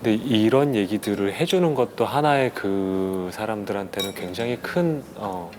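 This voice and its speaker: A man with a somewhat low voice, speaking thoughtfully and deferentially as a guest at the table. Dishes and cutlery clatter clearly in the background. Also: moderate pace, noisy background. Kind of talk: casual chat over drinks.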